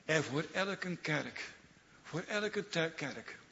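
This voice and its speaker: A man's voice: a little high, animated, takes it slowly, vocal fry, sharp tone, muffled recording, slight background noise, voice pushed up, exaggerated voice. A man preaching takes on the voice of an old king who boasts in a proud, singsong way about his many wives. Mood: boastful.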